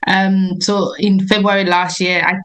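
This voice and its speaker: A woman's voice: mid-range voice, little pitch movement, measured pace, fairly bright tone, clean tone. A woman nurse practitioner giving an informal health talk on a video call, earnest and explanatory, often restarting her sentences. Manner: earnest, explanatory, self-correcting.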